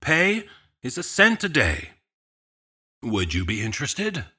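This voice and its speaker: A sly, controlling puppet-shop gentleman in an audio drama. The voice is husky and sharp, with very animated pitch. Formal, deliberate wording carries a polite menace. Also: full character voice. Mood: bargaining, veiled threat. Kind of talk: scripted audio drama dialogue.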